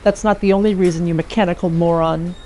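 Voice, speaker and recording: Haughty vain princess for fantasy audio play, played by a woman; slightly low pitch, curt, superior delivery. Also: fairly even intonation, fast, warm tone, a little hiss or hum, close to an everyday voice. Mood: irritated. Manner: imperious, dismissive. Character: vain, haughty, irritable princess with swappable heads. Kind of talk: audio drama acting.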